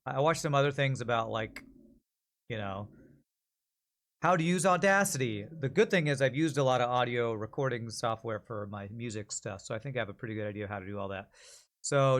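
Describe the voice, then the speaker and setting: A man chatting casually as a livestream host, rambling and thinking out loud as he goes. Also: medium pitch.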